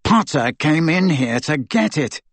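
A man acts out a haughty teenage rival from a fantasy storybook. His voice is brittle and a little rough, his manner sneering and impatient. It is recorded dry. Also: mid-range voice, big pitch swings, unhurried, no echo, full character voice.

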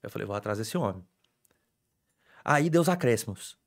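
A young adult man, a sports reporter telling stories in an excitable, animated way on a casual podcast. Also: lowish voice, moderate pace, vocal fry.

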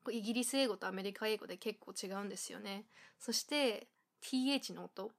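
A woman from Japan hosting a casual solo podcast, thinking aloud and filling pauses with frequent fillers. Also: medium pitch, creaky. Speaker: podcast host.

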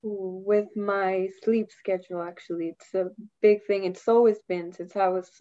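A young woman speaks English, her voice mellow and rounded. She chats loosely, laughing and letting sentences trail off. The sound is dull and lo-fi. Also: medium pitch, steady tone, a little slow. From Costa Rica. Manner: chatty, laughs often, trails off mid-sentence. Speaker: guest, university student. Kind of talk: casual interview chat. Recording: dull lo-fi audio.

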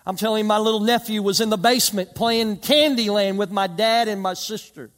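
A high-voiced man preaches to a responsive congregation, pressing his points with emphasis and folksy stories. His voice carries a long reverb, as if filling a large hall. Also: a little fast, a bit bright. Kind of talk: sermon. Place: church service with live congregation.

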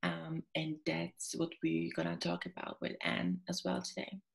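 A woman in her twenties with a Czech accent, a guest chatting quickly in an interview with lots of "um" and "like". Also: sits low, expressive, creaky. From Czech Republic. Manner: quick, chatty, many fillers like "um" and "like". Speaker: guest, author and performer. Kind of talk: interview conversation.

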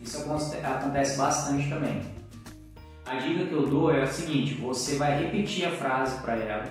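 A man's voice: medium pitch, normal speed. A man teaching tips on children's speech in a live Q&A stream, talking in a loose, explanatory way full of fillers and tag questions. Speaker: co-host, teacher giving literacy tips. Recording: echoey room, far from mic, faint music.

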